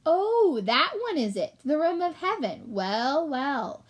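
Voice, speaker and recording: A woman voicing a fussy, world-weary old white rat with a shrill voice and a knowing manner in a storybook. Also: sing-song, slow pace, exaggerated voice. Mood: curious.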